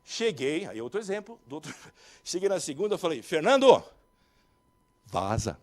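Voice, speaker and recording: Male, middle-aged, Brazilian accent, animated motivational speaker, fairly high voice. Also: moderate pace. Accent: Brazilian Portuguese. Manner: animated, acts out dialogue, addresses audience directly. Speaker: speaker at a business talk. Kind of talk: motivational talk with told stories.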